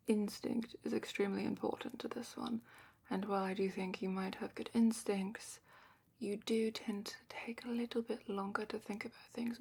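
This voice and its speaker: In a whispered ASMR fantasy roleplay, a woman voices a calm, thoughtful dragon curator. Her medium-pitched voice is creaky and slightly rough, soft and breathy, with measured, musing pauses.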